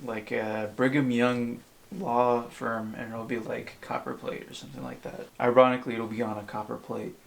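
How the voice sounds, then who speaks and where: A man's voice: mid-range voice, flat delivery, moderate pace, vocal fry. A man co-hosting a casual comedic chat with dry joking asides. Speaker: co-host. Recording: faint background noise.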